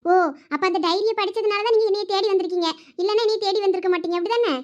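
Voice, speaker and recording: Woman doing a squeaky high cartoon wife, thoothukudi tamil accent, sulky and reproachful. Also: fairly even intonation, rapid-fire, muffled recording. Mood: hurt. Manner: reproachful, insistent. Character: sulky hurt young wife, tearful and proud. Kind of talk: cartoon voice acting.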